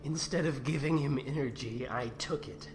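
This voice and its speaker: A woman's voice: very deep voice, normal speed. A woman playing an earnest, troubled young mage apprentice in an audio drama, hesitant and polite. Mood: shaken, pleading.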